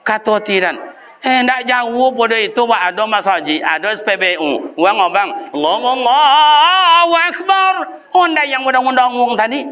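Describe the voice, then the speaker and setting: A man from Riau, Indonesia, with a Kampar Minang Malay accent delivers a lively mosque sermon, chanting lists and imitating sounds and calls. His voice sits high, and the audio is dull.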